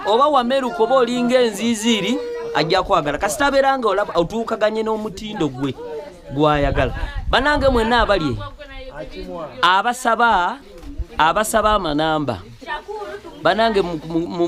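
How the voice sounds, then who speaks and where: A man with a Ugandan accent hosting a casual interview on a film set, hesitant with many fillers and restarts. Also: high voice. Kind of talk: casual interview, switching to Luganda commentary. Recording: crowd chatter behind.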